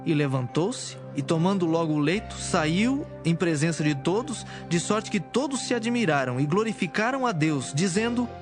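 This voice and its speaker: A man's voice: a little high, lively intonation, moderate pace, hardly any pauses, music in the background. A man narrating a dramatized audio Bible in a solemn, formal storytelling style.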